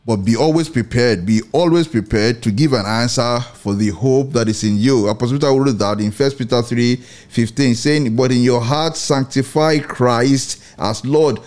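A man's voice: medium pitch, darkish tone, soft background music. Earnest male Christian radio host. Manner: measured, earnest, repeats and rephrases words.

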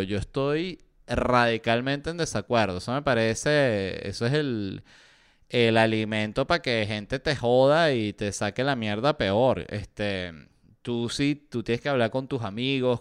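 A man's voice: medium pitch, clean tone. A man hosting a podcast, commenting on entertainment news in a chatty, sarcastic way with lots of fillers. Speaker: podcast host. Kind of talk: casual pop-culture news chat.

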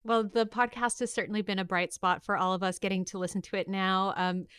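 Female podcast host, crisp resonant voice in a close dry recording, upbeat chatty delivery. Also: medium pitch, little pitch movement, a little fast, fairly bright tone, no echo. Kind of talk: upbeat conversational podcast hosting.

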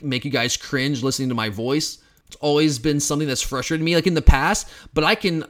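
Male podcast host, 30s, fast and slightly high, emphatic and excitable. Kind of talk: casual sports podcast monologue.

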